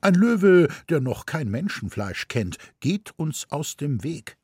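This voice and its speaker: A man reading aloud plays a pompous, pedantic gentleman who lectures in precise standard German. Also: on the high side, sing-song, slow pace, husky, no room sound, studio quality, voice pushed up, exaggerated voice. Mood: lecturing. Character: pedantic know-it-all gentleman with pince-nez.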